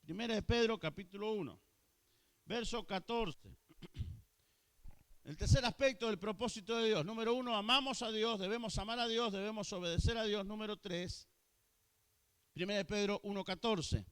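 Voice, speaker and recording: A male pastor with an Argentine Spanish accent preaching a sermon to his congregation, asking them questions and building to loud, emphatic high peaks. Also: normal speed, pauses often, clear, resonant tone. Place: church hall.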